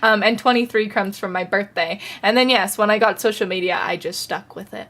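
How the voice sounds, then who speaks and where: A woman's voice: mid-range voice, brisk, a bit bright. A woman in her early twenties, a podcast guest telling stories in a giggly, rambling way. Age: 20s. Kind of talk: casual chat.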